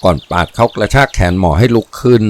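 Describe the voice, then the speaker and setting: A man narrating a crime adventure novel in a steady, vivid storytelling voice. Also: fairly low pitch, fast. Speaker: audiobook narrator. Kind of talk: dramatic audiobook reading.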